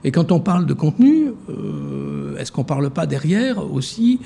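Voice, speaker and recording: A man's voice: a little high, sing-song, measured pace, vocal fry, dark tone, husky. A man giving hesitant, filler-heavy answers in a TV interview as director of a social security fund. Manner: hesitant, many fillers and restarts.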